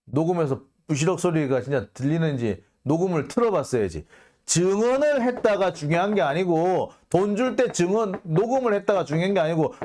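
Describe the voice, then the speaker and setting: A man's voice: a little high, darkish tone. A male host giving casual commentary on a news report, sarcastic and indignant, firing off mocking rhetorical questions.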